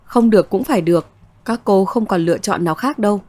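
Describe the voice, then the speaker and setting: A woman's voice: medium pitch, fast, a little mellow, lightly acted. A woman voicing a scheming, ruthless young woman who speaks in curt commands, in a read-aloud story.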